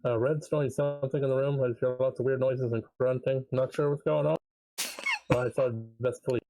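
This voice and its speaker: A man's voice: mid-range voice, fairly even intonation, fairly quick, noisy background. A man playing a tabletop game, easygoing, speaking in short plain sentences. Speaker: player. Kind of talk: casual play at a tabletop game.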